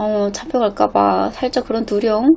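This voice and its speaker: A woman amid noticeable background noise. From North Korea. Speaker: internet streamer. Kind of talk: casual vlog talk. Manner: fast.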